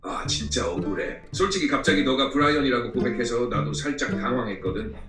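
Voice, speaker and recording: A male synthetic assistant voice with a Korean-American accent, speaking casually in a smooth, effusive, cheesy way. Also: medium pitch, brisk. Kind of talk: casual conversational assistant replies. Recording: echoey, slightly distant, faint music behind.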